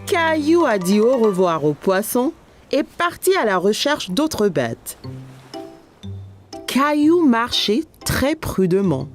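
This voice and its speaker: Slow, expressive children's cartoon narrator. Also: female voice, on the high side, faint music behind. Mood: gentle storytelling. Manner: gentle, expressive storytelling. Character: kindly storybook narrator of a toddler's cartoon. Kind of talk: scripted children's story narration.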